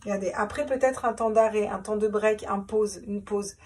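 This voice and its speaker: Casual tarot reader, woman, husky higher voice, recorded slightly distant. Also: fairly even intonation, moderate pace, a little mellow. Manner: chatty, repeats words, laughs at herself. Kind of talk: casual tarot reading to camera.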